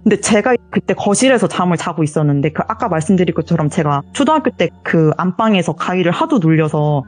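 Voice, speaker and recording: A woman's voice: fairly low pitch, animated, fast talker, darkish tone. A young woman telling her own ghost story as a caller on an interview show, earnest and quoting others in acted lines. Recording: voice call with faint music behind.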